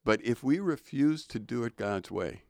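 An older man with a low voice, co-hosting a casual Christian podcast in a studio and talking in a thoughtful, preachy way. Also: animated, normal speed, darkish tone, dry recording. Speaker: co-host. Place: radio studio.

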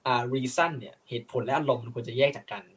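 A man's voice: mid-range voice, quick pace, crowd noise. A young man, a guest in an interview, explaining his views at length and acting out quoted arguments. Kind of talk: conversational interview.

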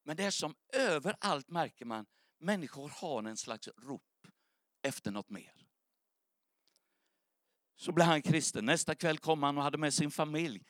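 A man's voice: fairly high pitch, lively intonation, long pauses, fairly bright tone, no room sound, clean studio sound. A man preaching a sermon, telling an earnest, emotional story as testimony.

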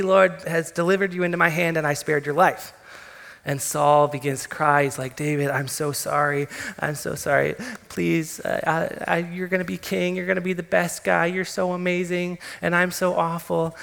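A male pastor preaches to his congregation, telling the story with lively, joking asides. His voice is bright and fairly high, and it rings out with a long reverb through the sanctuary. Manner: animated storytelling with casual humor. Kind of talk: sermon.

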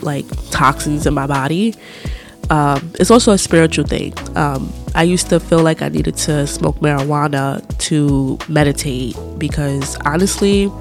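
A congested, stuffy-nosed podcast host talking through a relaxed personal monologue. The delivery rambles, candid and loose, with plenty of "um" and "like" fillers, at a middling pitch. Soft music sits faintly underneath.

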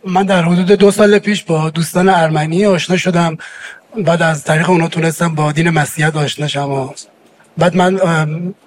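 A man's voice: fairly high pitch, fairly even intonation, rapid-fire. A man in his forties from Iran, a baptism candidate, speaking with polite, formal phrasing. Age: 40s. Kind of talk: formal greeting in interview.

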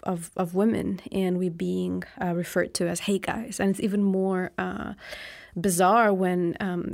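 A woman's voice: on the low side, creaky, a little mellow, no echo, clean studio sound. Thoughtful woman with a Lithuanian first language. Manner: thoughtful, many ums and uhs, often adds "right?". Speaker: interview guest. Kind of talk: reflective conversational answer.

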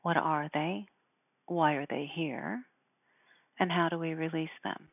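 A woman speaking in a measured, deliberate way, giving spiritual instruction and guided meditation. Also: low-pitched, fairly even intonation, vocal fry, no room sound. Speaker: spiritual teacher guiding listeners. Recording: narrow phone-like sound.

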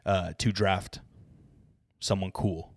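A man's voice: deep voice, steady tone, slow pace. A man hosting a sports podcast with casual, joking, irreverent banter. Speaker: podcast host.

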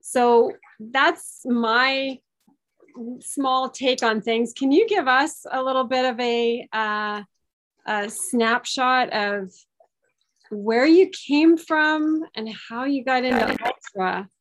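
A woman's voice: high voice, slow pace. A woman hosting a podcast interview, introducing her guest with friendly, self-deprecating asides. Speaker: podcast host, performance coach.

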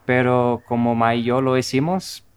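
A middle-aged man from Minnesota with an American accent, speaking Spanish as a learner in a relaxed, thoughtful way. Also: medium pitch, clear, resonant tone. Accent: American English. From Minnesota, United States. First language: English. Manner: unhurried, thoughtful, restarts words. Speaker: guest. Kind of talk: casual conversation.

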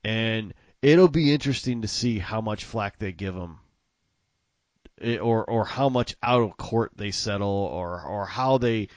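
A man with a Southern American accent talks casually in a fairly deep voice. He is folksy and blunt, like a co-host in conversation, and the sound is dry with little room to it. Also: unhurried, dry recording. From southern United States, Mississippi and Texas. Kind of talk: casual political chat.

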